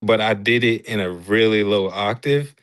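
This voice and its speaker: A man's voice: fairly low pitch, fairly even intonation, moderate pace, fairly bright tone, no echo. A man, a guest artist on a podcast, talking earnestly and agreeably in casual chat.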